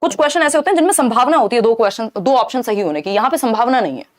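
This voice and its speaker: Woman teacher going through exam questions on a live stream, slightly high voice, keeps asking "right?". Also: very fast. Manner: lively explanatory, checks in with "ठीक है ना?"; mixes Hindi with English terms. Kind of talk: live online lesson.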